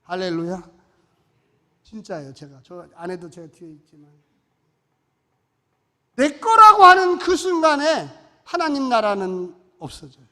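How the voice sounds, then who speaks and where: A male pastor delivers a sermon as a lively story, jumping from loud outbursts to quiet asides. His voice is bright and sharp. It rings out with the long reverb of a church hall. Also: sits high, measured pace, long pauses. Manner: animated storytelling, swinging between loud and hushed. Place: church sanctuary.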